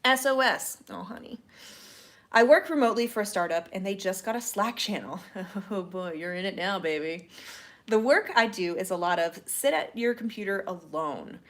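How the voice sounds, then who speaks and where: A woman's voice: medium pitch, lively intonation, normal speed, a bit bright. Chatty tipsy woman host. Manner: chatty and playful, lots of ums and likes. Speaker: podcast co-host answering listener questions. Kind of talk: casual tipsy livestream Q&A.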